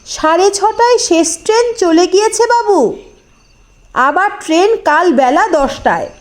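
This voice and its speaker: A woman's voice: very high-pitched, lively intonation, a little slow, voice pushed up. A woman voicing a sleepy, simple man at a deserted station, deferential and curt, in a horror audio story. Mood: sleepy, matter-of-fact.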